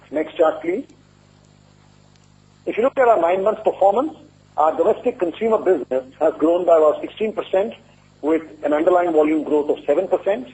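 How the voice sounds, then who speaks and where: A man speaking as a company executive, giving a formal, measured and deliberate earnings presentation. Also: on the high side, warm tone. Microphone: conference call line. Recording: muffled lo-fi conference call audio.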